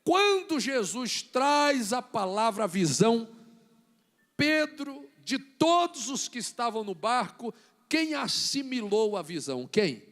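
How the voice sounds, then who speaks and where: A Brazilian man preaching a sermon, acting out little scenes and building to shouted lines. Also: extremely high pitch, sing-song, slow. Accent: Brazilian Portuguese. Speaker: bishop preaching.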